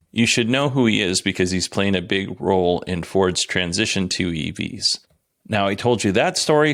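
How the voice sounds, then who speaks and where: Male host for explanatory clip commentary, low-pitched voice. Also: a bit bright. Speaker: host commenting on earnings call clips.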